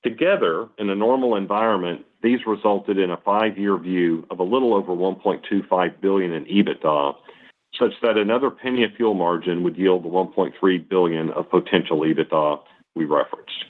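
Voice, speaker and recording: Male company executive, middle-aged, deep voice, formal scripted delivery for an earnings call, thin phone-band audio. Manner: formal, measured, enumerating points. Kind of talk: scripted corporate presentation. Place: conference call line. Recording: narrow, tinny phone-line sound.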